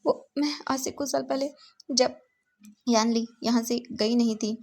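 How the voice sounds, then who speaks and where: A woman's voice: fairly high pitch, steady tone, a little slow, a little mellow. A woman voicing a grieving, remorseful middle-aged father who stammers and repeats his words. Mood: confessing.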